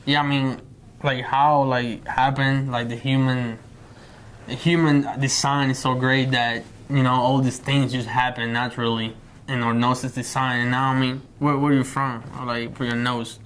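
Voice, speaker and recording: A man's voice: mid-range voice, flat delivery, normal speed, fairly bright tone. A young man from Cuba co-hosts a student television news segment, joking and easygoing and often repeating himself. His voice sits in a middle register. A faint background hum runs under the recording. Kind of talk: casual chat and scripted news reading.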